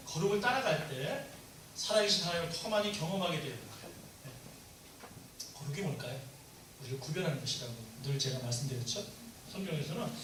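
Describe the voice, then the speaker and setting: A man preaching a sermon in a high, sharply bright voice, asking the congregation questions as he goes. He acts out quoted prayers with raised emphasis. He is picked up from a distance in a very echoey church hall, with faint ambience behind him. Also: a little hiss or hum. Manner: conversational preaching with call-and-response questions. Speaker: pastor.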